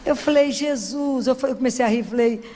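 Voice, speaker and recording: A woman's voice: high-pitched, fairly quick, dark tone, slight background noise. A woman preaching a sermon in a church, earnest and conversational, asking her listeners many rhetorical questions. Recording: long hall reverb in a church.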